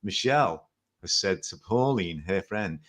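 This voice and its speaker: A man's voice: sits low, lively intonation, a little slow, fairly bright tone. A man in his sixties from Liverpool with a Liverpool accent, telling his story as an interview guest in a chatty, rambling way with small self-corrections and jokes. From Liverpool, England. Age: 60s.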